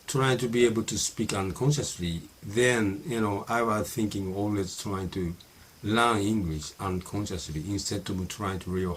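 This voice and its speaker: Halting Japanese man with fillers. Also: fairly low pitch, husky. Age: middle-aged. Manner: halting, many fillers and restarts. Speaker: vlogger practicing English. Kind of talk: casual solo monologue.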